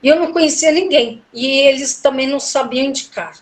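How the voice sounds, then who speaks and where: A woman, a guest in an interview, telling a personal story animatedly and acting out the dialogue. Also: fairly quick. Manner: animated, acts out quoted dialogue with big pitch jumps. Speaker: interview guest, tarot reader.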